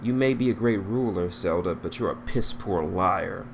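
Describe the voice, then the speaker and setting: A man's voice: sits low, normal speed, creaky. Man voicing a blunt female bounty hunter, noisy recording. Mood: teasing. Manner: blunt, matter-of-fact.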